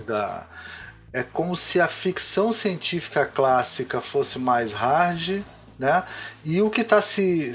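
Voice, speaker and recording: A man hosting a podcast, chatting casually and hesitantly, restarting his sentences often. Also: on the high side. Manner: hesitant, full of fillers and restarts. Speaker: podcast host.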